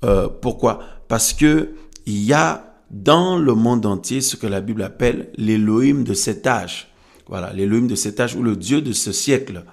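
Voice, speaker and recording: A man preaching a sermon, teaching from scripture in a halting way and repeating phrases for emphasis. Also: fairly low pitch, animated, creaky, darkish tone. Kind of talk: French-language evangelical sermon, teaching from Bible verses. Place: room with some resonance.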